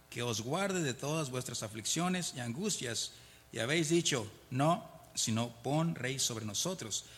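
A bit bright and mid-range, a man's voice carries through a reverberant hall as he teaches a Bible study. He reads verses and explains them in a conversational way, often checking in with "¿verdad?" and chuckling between points.

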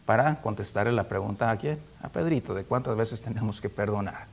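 A man's voice: fairly low pitch, brisk, creaky. A man preaching a sermon, reading scripture aloud in a raised voice and asking the congregation questions.

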